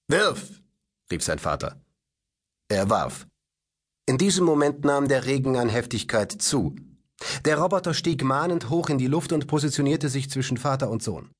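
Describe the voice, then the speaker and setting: A man narrating a science-fiction audiobook in an expressive, scripted storytelling delivery. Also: mid-range voice.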